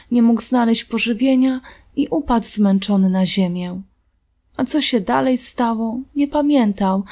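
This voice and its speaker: A woman reading a fairy tale aloud in a calm, gentle narrating voice. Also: a little high. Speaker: storybook reader.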